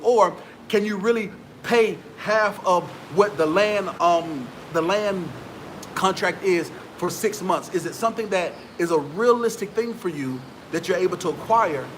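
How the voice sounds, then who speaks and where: Speaking straight to camera, a man delivers motivational business advice to his viewers in a preachy, repetitive manner. His voice sits high and a bit bright, with slight background noise.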